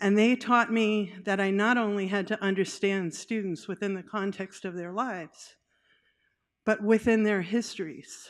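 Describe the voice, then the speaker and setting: A woman at a medium pitch, with fairly even intonation and a fairly slow pace, on a very clean recording with a silent background. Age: 60s. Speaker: professor. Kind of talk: award acceptance speech.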